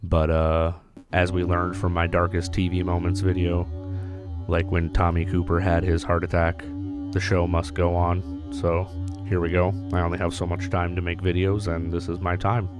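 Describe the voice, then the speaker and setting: A man with a hoarse voice, recovering from illness, narrating a casual, blunt video commentary. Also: low voice, completely flat delivery, moderate pace. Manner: casual, blunt, mildly profane. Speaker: YouTube commentator. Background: background music.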